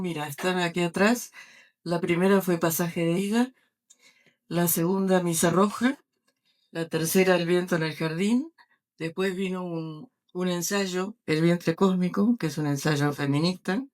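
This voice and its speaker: Older Argentine woman, author being interviewed; halting, full of pauses and restarts. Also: on the low side, fairly even intonation, a little mellow. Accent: Argentine Spanish. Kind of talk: book presentation interview.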